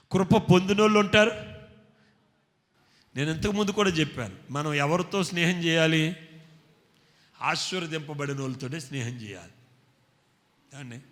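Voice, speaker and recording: Bright high-voiced male preacher, reverberant hall. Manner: keeps quizzing the congregation and urging them to answer loudly. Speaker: pastor. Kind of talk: Telugu sermon with call-and-response questions.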